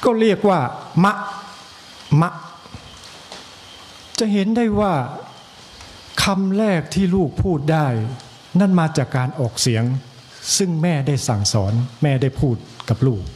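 A monk with an Isan accent giving an evening sermon, slow and measured, with pauses and repetition and a joke now and then for the listeners. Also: male voice, on the high side, big pitch swings, darkish tone, slight background noise. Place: temple hall.

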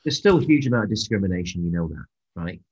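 A middle-aged man with a low voice talks as a guest on a video call. He tells his own story casually, leaning on swear words for emphasis. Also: big pitch swings, fast, a little mellow, lo-fi sound. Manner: profane, emphatic. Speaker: interview guest. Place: indoors, plain room. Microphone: video call from a room.

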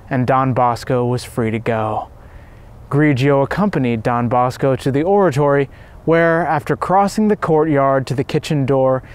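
A man narrating a devotional story in an earnest, measured way as the host of his channel. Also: on the high side, clean tone.

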